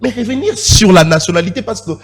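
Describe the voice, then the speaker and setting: A man's voice: high-pitched, animated, quick pace. A man in a heated TV studio debate, pressing his point and repeatedly asking for the floor. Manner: insistent, repeats pleas for the floor, mixes French and Lingala. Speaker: panelist.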